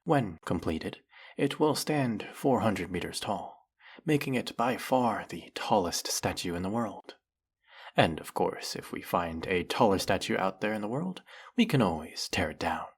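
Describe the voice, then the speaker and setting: Fantasy audio drama: man as zealous demon servant, deep husky voice, grandly reverent, flirtatious and fawning. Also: expressive, normal speed. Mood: devoted, boastful. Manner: grandiose, theatrical, reverent, obsequious.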